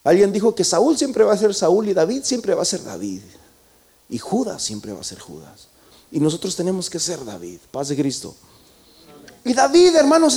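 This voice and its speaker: A high-voiced man preaches to his congregation. He tells the story with drama and presses his listeners with repeated rhetorical questions. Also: darkish tone, breathy edge. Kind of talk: sermon.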